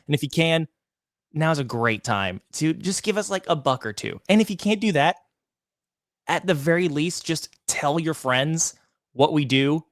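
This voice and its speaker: Eager man pitching his podcast. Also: no room sound, studio quality. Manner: eager, pleading, animated. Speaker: podcast co-host. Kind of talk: livestream promo pitch.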